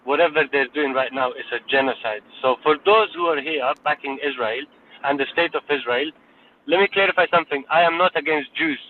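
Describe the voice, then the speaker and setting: Guy from afghanistan arguing hard, kinda high voice, tinny phone sound, keeps repeating himself when cut off. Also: a little hiss or hum. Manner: insistent, lecturing, repeats words when interrupted. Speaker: speaker in a live audio room. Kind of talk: heated debate. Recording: tinny phone-line audio.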